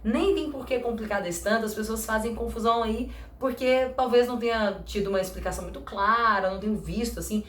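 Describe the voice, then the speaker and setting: A woman teaching English grammar in a chatty, lively way, slowing down to read example sentences. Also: a little high, echoey room, slight background noise. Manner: chatty, lively, acts out little dialogues, slows for example sentences. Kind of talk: casual explanatory lesson.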